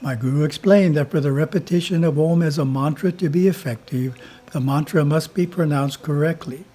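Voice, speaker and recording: Mellow, husky man reading slowly. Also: a little high. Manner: slow, measured, chanting Om. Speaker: spiritual teacher. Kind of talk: reading a spiritual editorial.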